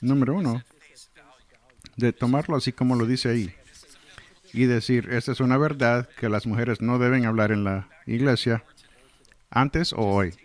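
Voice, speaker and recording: A man's voice: mid-range voice, fairly even intonation, normal speed, pauses often. A man delivering a verse-by-verse sermon in translation, earnestly reading scripture and explaining it. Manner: earnest, explanatory, reads scripture then comments. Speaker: Spanish translator of a pastor's sermon.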